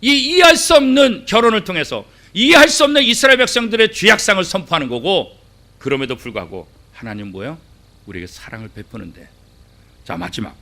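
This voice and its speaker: Animated, bright-voiced male pastor. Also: mid-range voice. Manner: dramatic, acts out quoted voices, swings between loud and hushed; asks the congregation rhetorical questions. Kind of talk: sermon.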